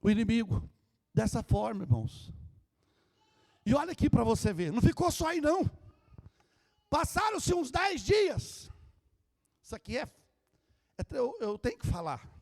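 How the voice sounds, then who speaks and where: A Brazilian pastor with a very high, strained voice preaches with fervent intensity, shouting his points before dropping to a hushed storytelling tone. His voice rings out through a large church hall with a long, lingering reverb. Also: sing-song, normal speed, gravelly, long pauses. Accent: Brazilian Portuguese. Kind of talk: Pentecostal sermon, shouted preaching.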